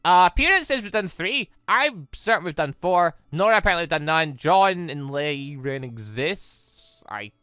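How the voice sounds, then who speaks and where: A gaming YouTuber giving casual, rambling, expressive let's play commentary on a visual novel, speaking emphatically. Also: mid-range voice, a little slow, hardly any pauses, smooth, no echo, studio quality. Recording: game music playing behind voice. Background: visual novel game music.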